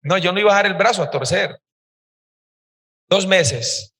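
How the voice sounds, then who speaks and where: A male pastor tells his own testimony in a sermon, in an animated, emphatic storytelling manner. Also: high voice, unhurried, slightly rough. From Costa Rica. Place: church service hall. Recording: reverberant church hall.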